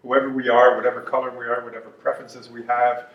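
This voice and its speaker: A man's voice: mid-range voice, flat delivery, quick pace, echoey room, recorded from a distance, muffled recording. Earnest man in his fifties. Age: 50s. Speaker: panelist in business development. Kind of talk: casual panel discussion.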